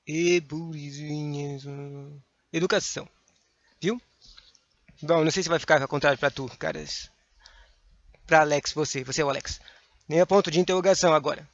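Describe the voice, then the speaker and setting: A man teaching a grammar lesson for exam prep with a Brazilian Portuguese accent, reading examples aloud with lively emphasis and mumbling quiet asides. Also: a little high, moderate pace, long pauses, no echo, highs cut off.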